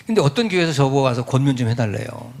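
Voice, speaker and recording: A middle-aged man preaching a sermon as pastor, lively, acting out quoted voices of parents and churchgoers. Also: medium pitch, racing, creaky.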